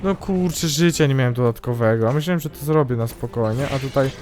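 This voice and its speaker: A young man commentating his own gameplay, excitable and yelping loudly whenever something goes wrong. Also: medium pitch, fast talker, faint music behind. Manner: excitable, yelps and shrieks at mishaps. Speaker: gaming YouTuber. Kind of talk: let's play commentary.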